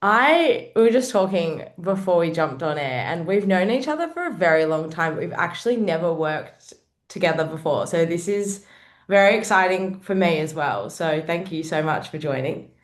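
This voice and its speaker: A woman's voice: on the low side, lively intonation, moderate pace. An Australian woman hosting a fan show, talking casually, nasal and congested from a cold, with frequent ums. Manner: warm, grateful, many ums. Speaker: fan channel host.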